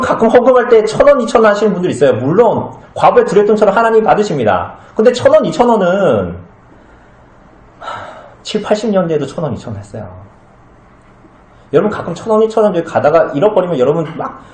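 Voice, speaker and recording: A man's voice: high voice, sing-song, quick pace, darkish tone. A man preaching a sermon as pastor, talking conversationally, asking his congregation questions and acting out little comic scenes. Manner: acts out short comic scenes with changed voices. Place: small church hall. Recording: echoey room.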